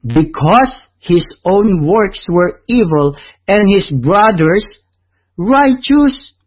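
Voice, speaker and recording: A man from the Philippines with a Filipino accent, preaching a sermon, whose first language is Tagalog. He speaks emphatically, with loud high stresses that drop low at the ends of phrases. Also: lively intonation, slow pace, husky. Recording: tinny phone-like audio.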